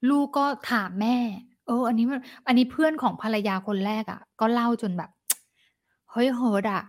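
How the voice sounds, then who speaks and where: A woman's voice: on the high side, moderate pace. A woman telling a celebrity gossip story in a dramatic, chatty way, acting out the quoted lines.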